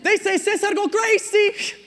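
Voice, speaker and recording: High-pitched animated Latino immigrant dad, echoey hall. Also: male voice, exaggerated voice. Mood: animated, embarrassed. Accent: Latin American Spanish. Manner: broken English, nervous chuckling, animated, halting. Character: grieving Latino immigrant father, nervously cheerful, devoted to son. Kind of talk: dramatic monologue performed on stage. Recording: reverberant hall at a speech tournament.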